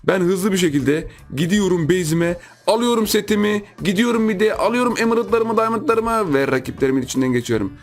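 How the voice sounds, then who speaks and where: A man hosting a gaming channel, giving lively gameplay commentary, repeating himself and yelping in surprise while chatting to his viewers. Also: high-pitched, fairly quick, hardly any pauses, soft background music. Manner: excitable, repeats phrases, shouts in surprise; chatty, addresses viewers as friends.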